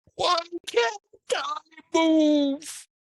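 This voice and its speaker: This is a put-on character voice. It sounds whiny and high-pitched. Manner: complaining.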